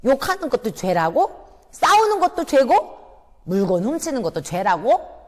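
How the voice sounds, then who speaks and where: A woman's voice: on the high side, big pitch swings, moderate pace, in a large hall. A woman voicing a defiant, mischievous tomboy girl with a whiny, mocking manner in a children's story. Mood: grumbling.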